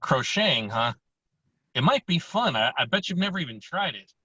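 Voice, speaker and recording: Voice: mid-range voice, very animated, normal speed, bright, forceful tone, breathy edge, dry recording, full character voice. A performer voicing a laid-back, spaced-out young slacker guy in an amateur script read, talking in slangy phrases. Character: wasted, laid-back slacker ski buddy, young man. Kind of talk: amateur virtual table read of a film script. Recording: dull, lo-fi online call.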